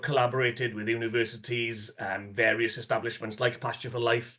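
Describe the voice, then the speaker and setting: A man's medium-pitched voice in a Welsh accent, monotone and flat, at a moderate pace. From Wales. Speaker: animal parasite testing specialist. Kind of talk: webinar presentation. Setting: online webinar. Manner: halting, many fillers and repetitions.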